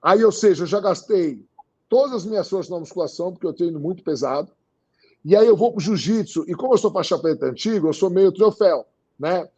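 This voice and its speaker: A man talking casually in an interview, with a Brazilian Portuguese accent. He talks in an animated way, repeating phrases for emphasis and acting out what others said. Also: high-pitched, brisk, husky, lo-fi sound. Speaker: guest.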